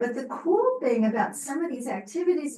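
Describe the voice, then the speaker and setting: A woman speaks in an American accent with lively intonation. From US Midwest, Kansas City, Missouri. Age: 70s. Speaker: author and speaker. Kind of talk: talk to a live group. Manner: animated.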